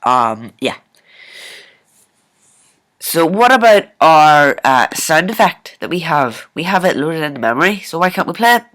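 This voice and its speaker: A man hosting a casual coding screencast, thinking aloud informally and haltingly as he works at his computer. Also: on the high side, sing-song, fairly bright tone. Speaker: programming tutorial host. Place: indoors at a computer, screen recording.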